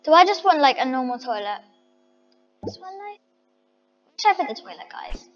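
High-voiced chatty woman playing a game. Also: sing-song, normal speed, big-room sound, lo-fi sound, soft background music. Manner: chatty, thinking aloud, talks to viewers as guys. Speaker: vlogger. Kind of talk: casual game commentary.

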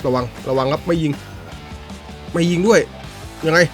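A man giving casual, excitable commentary while playing a football video game, swinging between low mutters and high yelps and swearing at the game. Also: normal speed, faint music behind. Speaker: gaming YouTuber.

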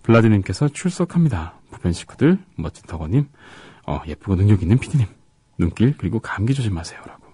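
A man co-hosting a radio show, chatting casually and reading listener comments in a halting, soft-spoken way with gaps between his words. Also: on the low side, sing-song, breathy edge, dry recording.

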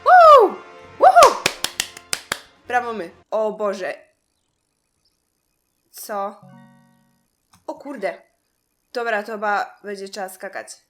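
A Polish woman commentating her own gameplay, reacting loudly and yelling at the game characters. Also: mid-range voice, slow pace, long pauses, faint music behind. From Poland. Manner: exclaims and shouts at the game. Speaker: gameplay streamer. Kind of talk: excited gaming commentary.

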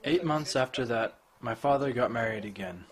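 A man in his forties from Croatia, with a Croatian accent, giving a slow, candid personal testimony to a group in a covered outdoor courtyard. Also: mid-range voice, poor audio. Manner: slow, measured and candid, with short plain sentences. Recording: crowd murmur behind. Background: group of listeners.

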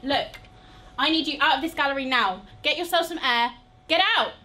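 Woman acting stern female producer, high piercing voice, indignant, commanding, noisy room behind. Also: expressive, moderate pace, pushed and bright. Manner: commanding, scolding.

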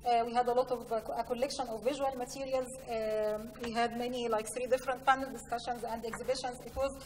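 A woman from Egypt with an Egyptian accent, giving a conference presentation in a hesitant way, with frequent pauses and repeated words. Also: on the high side, little pitch movement, darkish tone. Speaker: conference speaker, science programme representative. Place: large conference hall, indoors. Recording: echoey hall, distant mic, faint noise.

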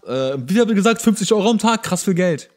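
A man's voice: high voice, lively intonation, fast. Male podcast co-host, casual and jokey, slangy sarcastic running commentary. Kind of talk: casual banter, commenting on a TV show.

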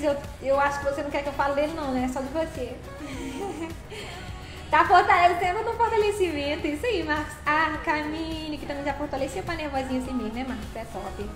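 A woman with a high voice chats casually on a live stream. She teases her viewers and thanks them by name, sometimes slipping into a sung phrase. The room is echoey, with faint music underneath. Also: a bit bright.

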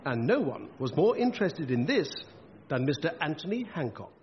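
High, animated male radio announcer. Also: moderate pace, slight background noise. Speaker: announcer and narrator. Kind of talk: scripted 1950s-style radio comedy narration. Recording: dull radio recording. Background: music.

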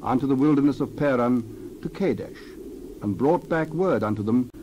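A man narrates scripture in deliberate, measured phrases at a medium pitch. The recording is dull, with clear noise behind the voice. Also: animated. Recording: dull, noisy recording with background ambience.

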